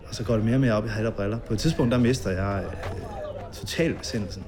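A man being interviewed, recounting a memory in a halting way with many fillers and vivid detail. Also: lowish voice, background noise.

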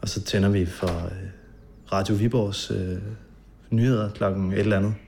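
Gravelly man recalling an old night. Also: on the low side, steady tone, a little mellow, a little hiss or hum. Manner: halting, many fillers, vivid retelling. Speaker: interviewee. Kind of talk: recounting a memory.

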